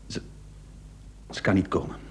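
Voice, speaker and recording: An actor playing a meek, guilt-ridden, henpecked husband in a radio play, hesitant and subdued. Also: male voice, normal speed, slight background noise, natural voice. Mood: shaken, confessing. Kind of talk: Dutch-language radio play acting.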